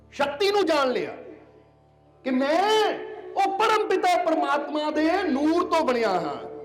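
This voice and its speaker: Very high-voiced male preacher. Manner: keeps asking the congregation questions and has them repeat after him. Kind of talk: devotional sermon. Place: village gathering. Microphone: collar mic. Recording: clear music behind the speech.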